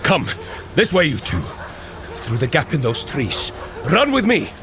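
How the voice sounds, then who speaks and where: A bold, measured warrior god. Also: male voice, a little high, huge pitch swings. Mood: hearty encouraging. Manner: grand, declamatory, earnest. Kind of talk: scripted audio drama acting.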